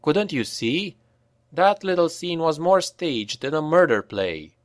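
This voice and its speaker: Man voicing a weary mercenary leader, sardonic, dry, lively pitch. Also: measured pace, no echo. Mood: wry.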